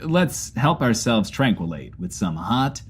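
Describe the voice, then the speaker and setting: A man's voice: mid-range voice, big pitch swings, unhurried, slight background noise. An actor playing a grandiose, chatty male host of a post-apocalyptic variety show, with bombastic, wordy delivery. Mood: gleeful, smooth. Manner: bombastic, verbose wordplay. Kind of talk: theatrical comedy broadcast monologue.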